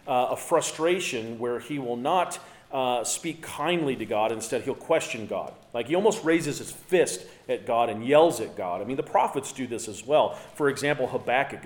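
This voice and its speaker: A man teaching a Bible lesson, explaining scripture and growing louder and higher when he reads verses aloud. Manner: animated, rises in pitch and volume when reading scripture aloud.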